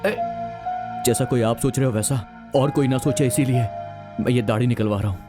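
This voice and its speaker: A man's voice: medium pitch, fairly quick, close to an everyday voice. A man dubbing a lovesick young man in a film who pleads with the woman he loves. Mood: pleading. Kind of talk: Hindi film dub. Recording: film soundtrack with loud music.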